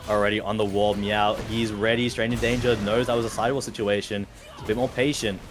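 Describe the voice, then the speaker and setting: A man with an Australian accent giving play-by-play and analysis of a fighting game, steady and analytical, lifting with excitement on big moments. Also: fairly low pitch, fast, music in the background. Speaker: esports caster.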